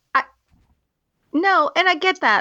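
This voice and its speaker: A woman with a Southern US accent speaks at a moderate pace with lively intonation. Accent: Southern American. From US South. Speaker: podcast co-host. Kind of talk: casual chat.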